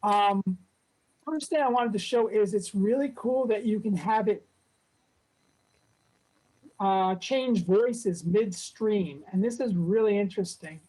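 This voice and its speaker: A woman casually presenting a software demo on a video call at a club meetup, talking in a relaxed way with lots of fillers. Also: mid-range voice, slow, pauses often, poor audio.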